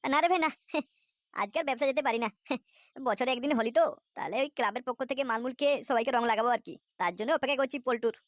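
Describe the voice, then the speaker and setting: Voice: medium pitch, rapid-fire, fairly bright tone, no echo, clean studio sound, lightly acted. An actor voicing a carefree, boastful, boozy layabout father in a comic cartoon, with a West Bengal accent and slangy, cajoling banter.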